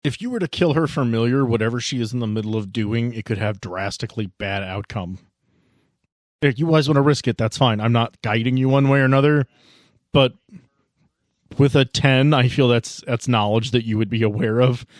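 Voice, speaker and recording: A man's voice: medium pitch, moderate pace, no echo, studio quality. A man narrating as game master of a tabletop game, describing scenes casually with asides and restarts.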